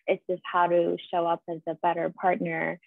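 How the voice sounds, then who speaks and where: A woman's voice: on the low side, completely flat delivery, moderate pace, creaky, dry recording. A woman in her thirties from Iran with a Persian accent, answering conversationally as a therapist guest on a podcast. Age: 30s. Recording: thin phone-like sound.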